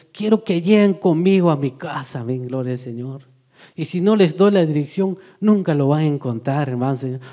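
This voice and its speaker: Man, preaching, mellow tone, slightly higher pitch, repeating fillers. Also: slightly rough. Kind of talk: evangelical sermon.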